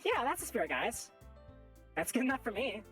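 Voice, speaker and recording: A man voicing a cheery, encouraging, bossy-sweet high school club president girl in a visual novel. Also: wildly swooping pitch, moderate pace, a bit bright, faint music behind, heavily acted. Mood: upbeat. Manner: chirpy, encouraging.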